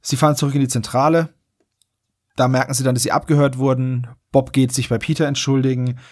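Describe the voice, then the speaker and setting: A man's voice: mid-range voice, little pitch movement, brisk. A man hosting a podcast, recapping a story in a casual, wry, joking way. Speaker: podcast host.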